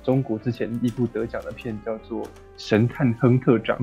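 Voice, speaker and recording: Taiwanese-accented man with a mellow podcast voice. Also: medium pitch, level tone, normal speed, creaky, lo-fi sound, faint music behind. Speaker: film podcast co-host. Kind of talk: casual film discussion.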